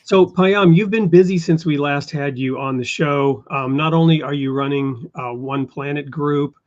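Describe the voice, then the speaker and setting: A man hosting an interview show, talking in a measured, conversational way with a few fillers. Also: fairly high pitch, a little mellow. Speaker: host. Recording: dull lo-fi sound.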